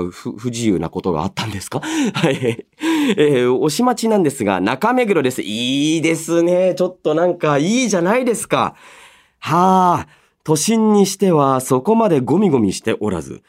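Man in his thirties, radio personality, highly animated pitch, casual chat, talkative, reactive. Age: 30s. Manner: animated, chatty, interjects own reactions while reading. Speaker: radio show host.

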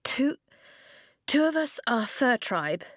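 An earnest young boy speaks softly and seriously, with a small stammer when he is unsure, as a woman reading a storybook puts him on. His voice sits a little higher than the reader's own. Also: animated, a little slow, no echo, clean studio sound. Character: young boy, steady and protective leader.

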